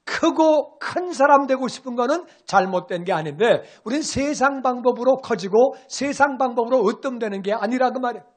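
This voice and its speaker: A male pastor delivering a sermon with a high-pitched voice. He preaches in an animated, conversational way, slipping into casual asides and acting out the voices he quotes. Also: normal speed, few pauses.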